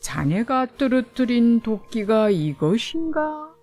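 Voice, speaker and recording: A woman's voice: on the high side, very animated, slow, a little mellow, soft background music. A woman voicing a stately, white-bearded old male lake spirit in a children's storybook, with dignified, old-fashioned speech. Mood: solemn, kindly.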